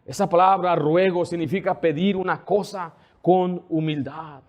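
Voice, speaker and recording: Man, pastor, sermon, high voice, fervent, emphatic repetition. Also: steady tone, moderate pace, highs cut off.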